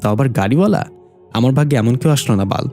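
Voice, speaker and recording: Man voicing a cheeky teasing girl bestie in a storybook, crude jokes, mellow voice. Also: medium pitch, animated, fast talker, faint music behind, lightly acted. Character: cheeky young woman, the heroine's broke best friend.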